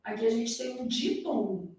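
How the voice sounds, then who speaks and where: This recorded grammar lecture for exam candidates comes from a Brazilian-accented woman whose voice is a little high and slightly mellow, her pace unhurried. She explains didactically and poses rhetorical questions to her class again and again, with an echoey room and her voice far from the mic.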